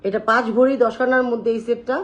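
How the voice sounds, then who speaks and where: A woman hosting a live sales stream, showing jewelry and talking loudly and chattily to her viewers. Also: on the high side, little pitch movement, fast, muffled recording. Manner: loud, chatty, addresses viewers directly.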